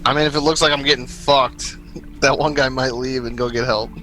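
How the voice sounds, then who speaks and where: A man's voice: mid-range voice, fairly even intonation, brisk, bright, forceful tone, faint music behind, low-quality recording. A man chatting casually as a player in a tabletop game, joking and swearing. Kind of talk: casual chat during a game.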